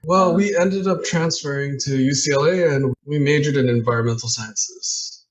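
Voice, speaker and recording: A man's voice: fairly high pitch, normal speed, poor audio. Matter-of-fact man in his thirties. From Southern California. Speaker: guest, business owner. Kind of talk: casual interview talk.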